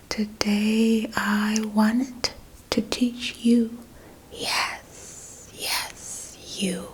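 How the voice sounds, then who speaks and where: A woman whispers an ASMR language lesson at a very slow, unhurried pace. Her hushed voice has a gravelly, creaky edge, and she softly repeats words again and again into a close mic. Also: medium pitch.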